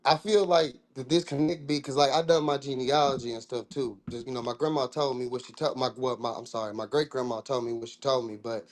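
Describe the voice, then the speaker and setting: A man's voice: mid-range voice, fairly even intonation, brisk, few pauses. A man from the American South with a Southern accent, talking in a casual discussion, rambling and restarting his sentences in informal speech.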